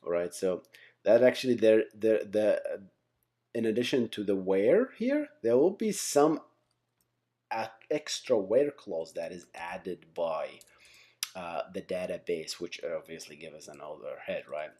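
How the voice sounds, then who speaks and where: A man's voice: low voice, animated, measured pace, warm tone. A man giving an informal explainer lesson as an instructor, conversational and often checking in with his listeners. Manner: conversational, often checks in with "right?", "okay?", "guys". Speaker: software engineering instructor, channel host.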